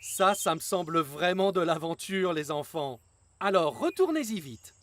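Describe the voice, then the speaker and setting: A man's voice: high-pitched, animated, unhurried, fairly bright tone, no echo. A man voicing a kindly grown-up who encourages children in a French children's cartoon, with music behind. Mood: kindly, encouraging.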